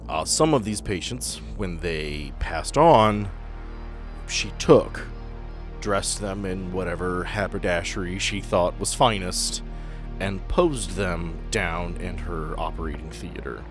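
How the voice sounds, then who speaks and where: A man's voice: low-pitched, takes it slowly. A man running a tabletop horror game, narrating suspenseful, descriptive scenes off the cuff and dropping into casual rules talk. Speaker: game master of a tabletop RPG podcast. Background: music under the voice.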